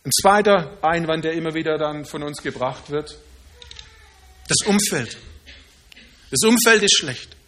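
A man preaching a sermon in earnest, slowing down to stress key phrases. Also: fairly high pitch, background noise.

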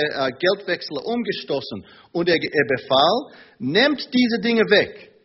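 Preacher, male, lively pitch, muffled lo-fi sermon tape. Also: slightly rough. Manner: slow, emphatic preaching with rising intensity; hesitant fillers between phrases. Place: church in Munich. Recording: dull lo-fi sermon recording.

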